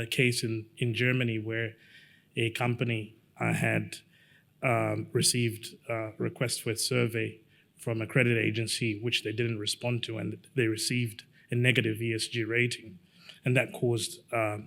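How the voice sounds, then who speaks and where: Gravelly, halting man from Zambia. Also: medium pitch, fairly bright tone. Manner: measured, halting, with frequent fillers. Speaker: lawyer giving a conference presentation. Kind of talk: conference presentation.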